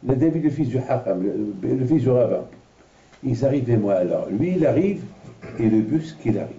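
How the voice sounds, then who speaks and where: Man, rabbi teaching, animated storyteller, distant mic, echoey room. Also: mid-range voice, lo-fi sound. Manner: animated storyteller, acting out voices in his anecdotes. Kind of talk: Torah lesson with personal storytelling. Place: large room at an evening lecture.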